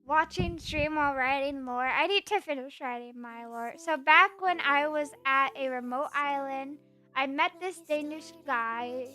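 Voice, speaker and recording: Bright, high-voiced playful woman streamer. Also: measured pace. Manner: playful, rambling, teasing. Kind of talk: casual chat reading stream chat. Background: soft background music.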